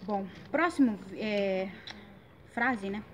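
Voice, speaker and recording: A woman whose first language is Guarani, with a Guarani accent, teaching phrases in a casual online lesson, slowly repeating each phrase with frequent hesitations. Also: mid-range voice, slight background noise.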